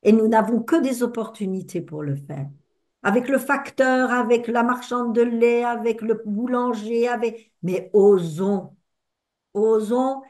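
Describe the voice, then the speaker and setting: Speaking at a measured pace in a slightly high voice, an older woman recounts her personal testimony to an audience during a talk with discussion. She is a vivid storyteller who performs each line of dialogue.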